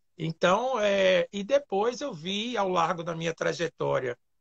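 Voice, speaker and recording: This man talks at a very slow pace in a high voice with lively intonation. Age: 60s. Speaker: holistic therapist. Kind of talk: live stream interview. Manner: halting.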